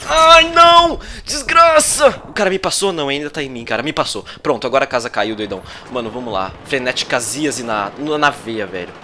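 A young man with a Brazilian Portuguese accent commentates his match live, his pitch leaping all over as he yelps and curses at the game. His voice is bright and forceful, and he sounds jittery and sweaty with nerves. Faint gunfire from the game runs behind him. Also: a little hiss or hum. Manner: excitable, swears at the game, frequent outbursts. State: nervous and sweating. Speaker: gaming youtuber.

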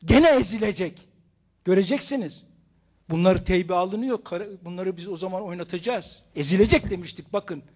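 A man's voice: sits high, darkish tone. Impassioned man declaiming a defense. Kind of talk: courtroom defense speech.

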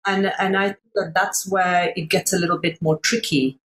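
A middle-aged woman from Sri Lanka, a coach speaking on a video call from home, thoughtful and searching for her words with many pauses and fillers. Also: on the low side, fairly even intonation, fairly bright tone. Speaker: master coach, panel guest. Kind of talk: reflective panel discussion. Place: room at home.

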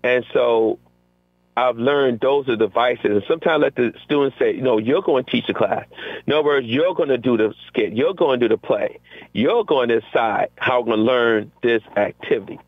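A man's voice: medium pitch, moderate pace, husky, no echo. Middle-aged man on a tinny phone line. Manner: energetic, acts out quotes from classroom exchanges. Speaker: teacher guest. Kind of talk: conversational interview.

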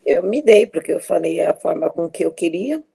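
A man's voice: a little high, animated, normal speed, gravelly, dark tone, slightly rough, pitched below the performer's own voice, exaggerated voice. A man preaching who briefly voices a demanding, self-centered wife, speaking a little away from the microphone. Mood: self-assured.

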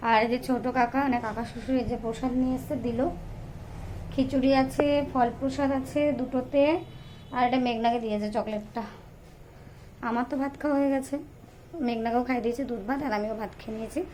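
A woman in her thirties talks fast in a slightly high voice, rambling from one small household detail to the next. It's a casual home vlog filmed on a phone. Steady background noise and passing vehicles sit under her voice. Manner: chatty, rambling, piles up everyday details. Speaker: vlogger, mother. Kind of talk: casual daily vlog narration. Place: home, later outdoors on a night street. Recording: noisy phone recording with street sounds.

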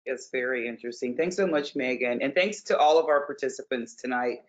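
A man hosting an online pitch event, upbeat and running things along with some fillers. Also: brisk. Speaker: event host. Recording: dull lo-fi video call audio.

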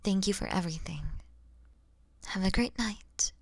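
A woman voicing a kind, motherly mature dragon in an ASMR roleplay, speaking softly and breathily with tender, soothing warmth. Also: mid-range voice, normal speed, no room sound, studio quality, lightly acted. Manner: soft, breathy, soothing, often near-whispered.

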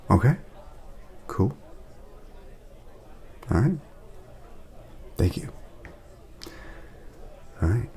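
A man speaking softly in a casual ASMR roleplay, laid-back and friendly, chatting as if to a friend. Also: fairly low pitch, big pitch swings, very slow, long pauses. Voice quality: soft, breathy at times, creaky.

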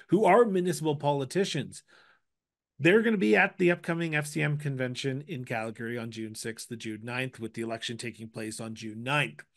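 A middle-aged man hosting a podcast interview, asking questions into a studio microphone, with halting starts and playful asides. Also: mid-range voice. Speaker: podcast host. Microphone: studio mic with headphones.

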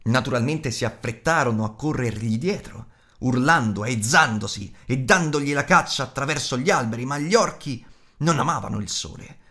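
A man narrating an audiobook in an expressive, measured storytelling manner. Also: medium pitch.

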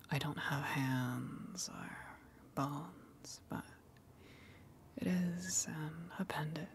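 A woman playing a gentle, lonely sea monster in an ASMR roleplay, coaxing softly in a breathy, soothing whisper. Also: low-pitched, slight background noise, heavily acted. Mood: tender, reassuring. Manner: slow, soothing, coaxing, long pauses.

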